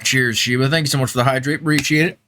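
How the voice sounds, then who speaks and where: A man's voice: mid-range voice, fairly even intonation, rapid-fire, noisy background. A man hosting a live gaming stream, chatting casually and jokingly with his viewers in slangy language. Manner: jokey, slangy, swears casually. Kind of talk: casual livestream chat with viewers.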